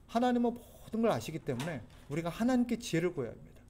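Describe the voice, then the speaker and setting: A male pastor with a high, bright-sounding voice delivers a sermon. He speaks earnestly and exhorts his congregation, at times pleading with them urgently. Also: very animated, fast. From South Korea.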